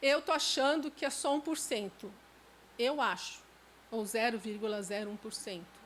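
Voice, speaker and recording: Brazilian woman preacher, high voice, conversational camp sermon, faint background noise. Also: normal speed, fairly bright tone. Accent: Brazilian Portuguese. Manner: conversational, acts out everyday quotes. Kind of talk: informal sermon at a church camp. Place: church camp meeting space.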